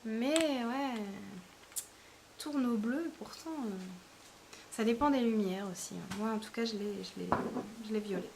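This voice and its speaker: A woman's voice: sits high, a little hiss or hum. A woman giving a casual, chatty product review, hesitating often with fillers. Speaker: beauty vlogger.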